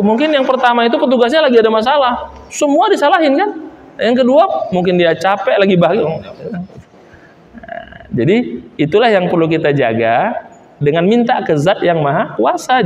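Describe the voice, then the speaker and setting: A man gives a sermon, his voice sitting high as he tells animated stories. The sound rings around a roomy hall with a long reverb tail, and faint ambience sits underneath. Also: brisk, highs cut off, slight background noise. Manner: animated storyteller who acts out quoted voices. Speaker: ustadz preacher. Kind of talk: sermon with storytelling.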